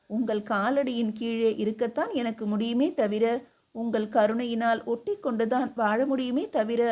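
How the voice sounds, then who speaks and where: A woman's voice: on the high side, a little mellow. A woman voicing a humble, devoted queen who speaks earnestly and pleadingly, in an audiobook reading. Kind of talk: audiobook character voice.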